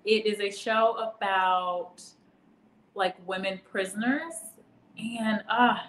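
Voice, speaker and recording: A woman's voice: mid-range voice, takes it slowly, a bit bright, roomy sound, a little hiss or hum, poor audio. Chatty woman hosting live trivia. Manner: chatty, greets viewers by name, laughs often. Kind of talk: casual live-stream quiz hosting.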